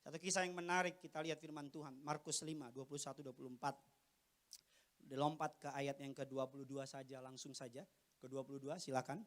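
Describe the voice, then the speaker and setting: A middle-aged male pastor preaching a sermon with lively, humorous storytelling, sometimes mimicking other voices. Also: mid-range voice, brisk.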